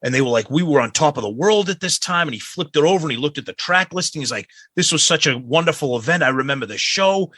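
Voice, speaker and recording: A man with a Boston accent tells a story on a podcast, stumbling and restarting as he goes. His voice is husky and bright. The recording is dry and close. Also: a little high, lively intonation, fast, hardly any pauses, dry recording. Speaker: podcast co-host. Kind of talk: casual podcast chat.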